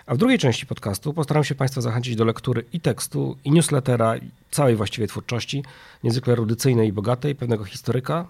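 A man with a nasal, stuffed-nose and hoarse voice, presenting a podcast monologue. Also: medium pitch, quick pace, darkish tone. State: hoarse from a viral illness. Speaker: podcast host. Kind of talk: podcast monologue, partly scripted.

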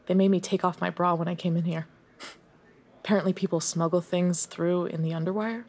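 A woman's voice: on the low side, steady tone, fairly quick, darkish tone. An actress playing a bitter, worn-out woman visiting her accused friend, speaking in a curt, resentful way.

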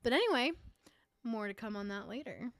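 A woman's voice: a little high, animated, a little fast, dry recording. A woman co-hosting a sports podcast in a casual, conversational style. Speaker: podcast co-host. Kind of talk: casual fantasy football podcast chat.

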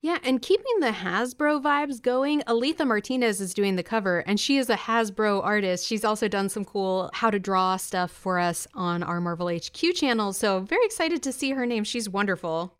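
A woman's voice: medium pitch, normal speed, hardly any pauses, smooth. A woman co-hosting a chat show about comics, talking in a chatty, enthusiastic way. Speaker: co-host. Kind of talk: casual chat.

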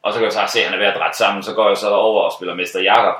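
A man's voice: fairly low pitch, very noisy. A man telling a funny story about a gig he was hired to play, in casual chat, laughing often. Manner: lively, laughs often, acts out other people's voices. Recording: roomy sound from a distant mic.

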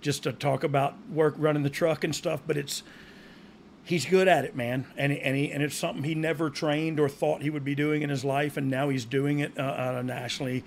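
A man co-hosts a casual podcast with a gravelly, slightly high voice. He jokes around and laughs easily. A faint hiss sits under the recording. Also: little pitch movement, brisk. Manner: joking, laughs often, breaks into song. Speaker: podcast co-host.

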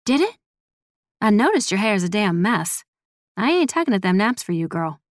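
A woman's voice: fairly high pitch, animated, moderate pace, no echo, pitched above the performer's own voice. Stern, salty grandmother in an audiobook, elderly and protective, scolds bluntly, dry studio sound female reader performs her. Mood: suspicious scolding.

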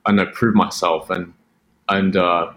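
Male podcast guest, low voice, Australian-sounding British-American accent, casual conversational delivery. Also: steady tone, normal speed, a bit bright. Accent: British mixed with American, sounds Australian. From Britain. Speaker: podcast guest, music producer. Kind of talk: casual chat.

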